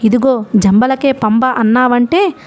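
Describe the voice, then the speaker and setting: A woman's voice: unhurried, a little mellow, lightly acted. A woman voicing a touchy old spinster, a retired schoolteacher, who scolds fussily. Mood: scolding. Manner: scolding, shrill and fussy.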